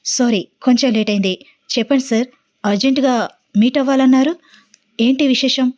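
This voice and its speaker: A woman voicing a hot-tempered young man who runs a company, talking in a sharp, agitated way. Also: high voice, steady tone, moderate pace, dull audio, lightly acted. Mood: polite.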